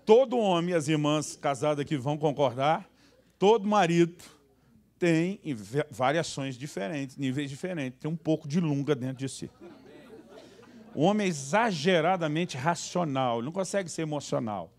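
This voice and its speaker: A pastor preaches with comic timing, his fairly high voice leaping into other characters' lines as he tells a story from the pulpit. The talk is lively and playful, aimed at a church congregation. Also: moderate pace. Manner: animated, acts out quoted dialogue with sudden high voices. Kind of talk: humorous storytelling sermon. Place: church service.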